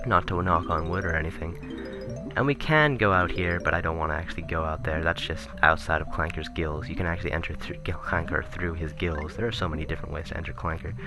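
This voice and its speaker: A man commentating casually on a video game he is playing, rambling and correcting himself, his voice turning raspy. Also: low voice, fairly even intonation, fast. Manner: rambling, self-correcting, chuckling asides. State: voice getting raspy. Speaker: let's play commentator. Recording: game music playing behind.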